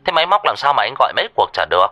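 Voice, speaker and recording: Narrator doing grumpy hubby rattling off fast on the phone. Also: male voice, mid-range voice, sing-song, pushed and bright, faint music behind. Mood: impatient. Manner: rapid, grumbling. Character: impatient husband on the phone, nagging.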